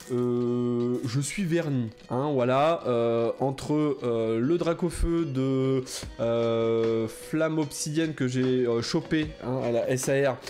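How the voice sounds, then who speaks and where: A man's voice: a little high, darkish tone. A man chatting casually while opening trading card packs, rambling with many fillers and repeated phrases. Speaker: Pokémon card opener. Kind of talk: casual pack-opening chat.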